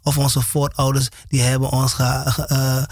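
A man's voice: medium pitch, monotone, moderate pace, a little mellow, dry recording, clean studio sound. Stammering man on Christian radio. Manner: stammering, repeating words.

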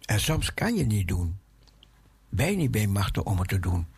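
A man preaching a sermon in a halting way, often repeating his phrases. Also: fairly low pitch, big pitch swings, a little mellow, slightly rough.

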